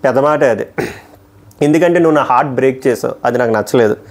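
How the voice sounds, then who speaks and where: A man giving a casual, emphatic review of a TV episode and weighing each point with strong opinions. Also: medium pitch. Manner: emphatic, opinionated, quickly switching between points. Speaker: TV show reviewer.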